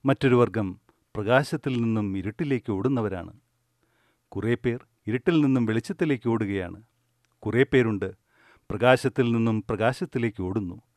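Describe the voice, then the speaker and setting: A man who teaches meditation gives a spiritual discourse in a calm, measured and earnest way. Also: mid-range voice, dry recording.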